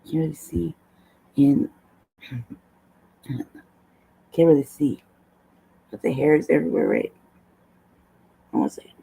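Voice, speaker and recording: A woman host with a low, hoarse voice, chatting casually at a desk mic, rambling, laughing often and swearing. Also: takes it slowly, long pauses, warm tone, rough recording. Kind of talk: casual livestream talk.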